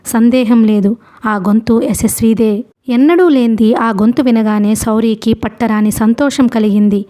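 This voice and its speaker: A woman's voice: fairly high pitch, steady tone, a little slow, dark tone. A young adult woman, host of the channel, narrating a novel as an audiobook storyteller and voicing the characters in her own voice.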